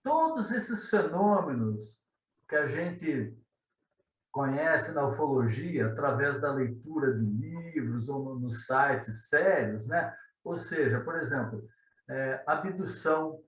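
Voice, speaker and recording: A man's voice: medium pitch, a bit bright, distant mic. A man, a guest telling his story in a meandering, hesitant way, often tagging his sentences with questions. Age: 50s. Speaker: guest, ufology author. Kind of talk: conversational interview storytelling. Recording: roomy echo.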